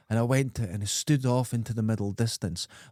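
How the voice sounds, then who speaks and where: A man with a strong Scottish accent at a fairly quick pace, medium pitch and ordinary variation, on a very clean recording with a silent background and dry, close sound free of echo. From Scotland, Dundee. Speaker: comedian podcast co-host. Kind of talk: casual comedic chat. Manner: animated.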